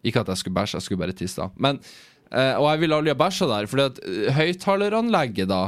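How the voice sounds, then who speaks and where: A man's voice: mid-range voice, big pitch swings, no echo. A young man from Norway telling a self-mocking, exaggerated story in a rambling casual way.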